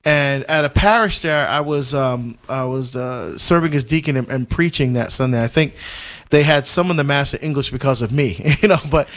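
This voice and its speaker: A man's voice: mid-range voice, normal speed. A man born in Barbados, a Catholic deacon, telling stories in casual talk with lots of fillers and restarts. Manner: animated storyteller, many fillers and restarts, frequent laughs. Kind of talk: casual conversational chat.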